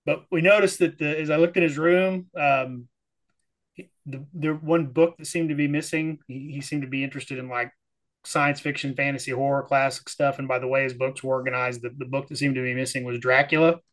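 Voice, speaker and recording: A man from the Texas-Oklahoma area, a player recapping a tabletop game in casual chat, halting and repeating words. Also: medium pitch, steady tone, a bit bright.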